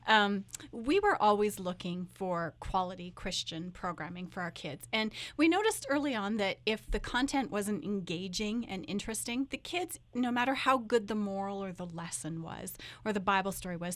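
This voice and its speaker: A woman's voice: medium pitch, animated, normal speed, a bit bright, dry recording. Middle-aged woman chatting, dry studio sound. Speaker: show narrator and writer. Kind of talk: casual studio interview chat.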